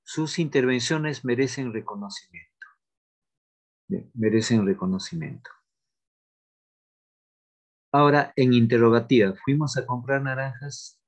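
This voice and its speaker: A man at an ordinary middle pitch teaches a grammar lesson online. He talks haltingly, fills gaps with hesitations, and slowly repeats his example sentences aloud. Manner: halting, with many fillers and restarts. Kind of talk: online class explanation.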